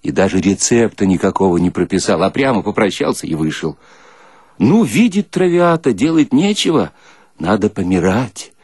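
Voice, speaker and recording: A man's voice: on the low side, moderate pace, breathy edge, dry recording, studio quality. A man performing a colloquial comic monologue as a storyteller, with a folksy, theatrical delivery. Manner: folksy, theatrical, animated, breaks into mock singing.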